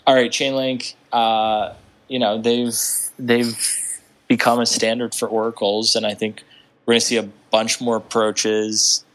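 A man's voice: fairly low pitch, little pitch movement, unhurried, fairly bright tone, poor audio. A man, an investor guest, thinking aloud hesitantly in casual conversation.

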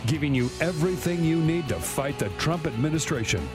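Punchy male announcer over loud guitar. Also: on the high side, a little fast. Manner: punchy promo delivery. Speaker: show announcer. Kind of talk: produced station ID over music.

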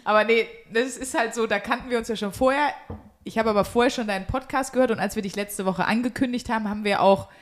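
Higher-voiced woman hosting a casual podcast. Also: fast talker. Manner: informal, jokey, slangy with English words mixed in. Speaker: podcast host. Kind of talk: casual chat. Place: recorded at a private home.

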